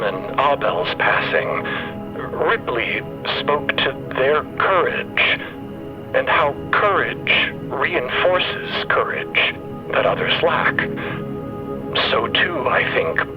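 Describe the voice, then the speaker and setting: Slow, grieving, earnest machine crewmate. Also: male voice, medium pitch, muffled recording. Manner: halting, earnest, formal. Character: gentle, grieving machine crewmate with bellows, eulogizing friends. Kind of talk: solemn eulogy in audio drama.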